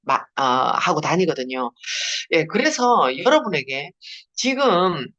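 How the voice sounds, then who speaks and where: This network marketing leader from Busan speaks in a low, slightly bright, sing-song voice, taking her time. Her strong Gyeongsang accent colors a chatty, laughter-filled seminar delivered over a video call with dull, lo-fi sound.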